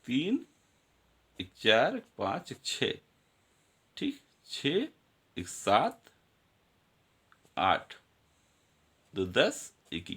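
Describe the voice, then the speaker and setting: A man's voice: medium pitch, bright, forceful tone, husky. A male teacher giving a grammar lesson, counting syllables aloud and speaking directly to his students.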